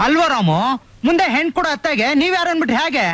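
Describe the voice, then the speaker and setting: An actor playing a meddling relative who stirs trouble in an insinuating way. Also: male voice, very high-pitched, animated, racing, loud music behind the voice. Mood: scheming.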